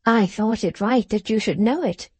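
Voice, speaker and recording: A woman voicing an earnest grown son who pleads with his mother in a hushed, careful way. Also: medium pitch, moderate pace, husky, dry recording, close to an everyday voice.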